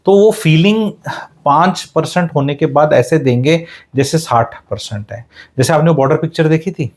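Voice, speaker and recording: A man's voice: on the high side, moderate pace, darkish tone. A man giving a casual real estate talk, mixing Hindi and English and acting out quotes as he tells stories.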